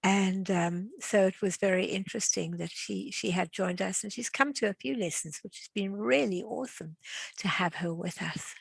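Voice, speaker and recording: A woman from South Africa hosting a casual class chat, asking questions in a halting, inquisitive way. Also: medium pitch, vocal fry, slightly rough, no room sound. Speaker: class host.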